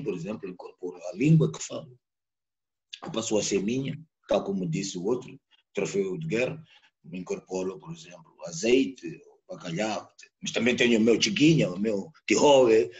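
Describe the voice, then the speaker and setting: A Mozambican man with a Mozambican Portuguese accent, a poet and sociologist giving a reflective talk over a live video call, pausing to search for words. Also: fairly low pitch, muffled recording. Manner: searching, repeats words while thinking. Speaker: guest speaker, poet and sociologist. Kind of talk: reflective lecture-style talk. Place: home, live online talk. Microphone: computer or phone mic on a video call.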